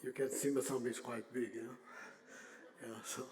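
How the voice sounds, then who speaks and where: Older guy speaking at a conference, soft dark tone, mid pitch, kinda halting as he picks his words. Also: flat delivery, a little hiss or hum. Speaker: industry association CEO, panel speaker. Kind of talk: semi-formal unscripted conference speech.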